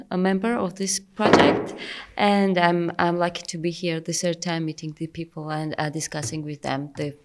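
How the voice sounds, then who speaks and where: A woman with a Georgian accent talks on an informal panel as a farmer. Her pitch is low, and fry runs through the voice. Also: a little mellow. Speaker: farmer and project ambassador.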